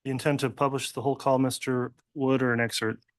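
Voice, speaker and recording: Even, flat-voiced male judge. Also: medium pitch, quick pace, dry recording, studio quality. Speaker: judge presiding in court. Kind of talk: procedural courtroom rulings. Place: courtroom.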